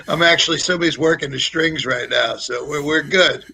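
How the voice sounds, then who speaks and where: Bright, gravelly man coaching speakers. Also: fairly high pitch, moderate pace, a little hiss or hum, low-quality recording. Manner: practical, explanatory, jokes easily. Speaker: public speaking trainer. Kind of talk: casual coaching advice on a livestream. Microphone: lapel mic on a video call.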